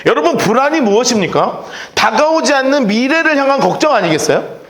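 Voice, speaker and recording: Animated man preaching, echoey church. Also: very high-pitched, brisk. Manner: lively storytelling with acted-out quotes. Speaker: pastor. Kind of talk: sermon. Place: church sanctuary.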